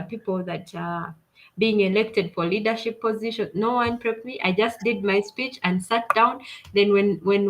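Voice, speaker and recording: Woman, coach, earnest personal storyteller, animated, mid-range pitch. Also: rough recording. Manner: earnest, animated retelling with fillers and laughs. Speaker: coach and speaker.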